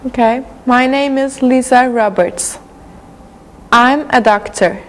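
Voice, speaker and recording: A woman in her twenties from Germany, a student in a scripted classroom dialogue, speaking in slow, simple sentences. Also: sits high. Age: 20s.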